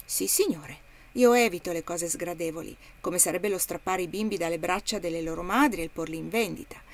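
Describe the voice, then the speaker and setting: A woman reading the part of a callous, smooth-talking male slave trader in a matter-of-fact, persuasive tone. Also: fairly low pitch, brisk, close to an everyday voice. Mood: smug.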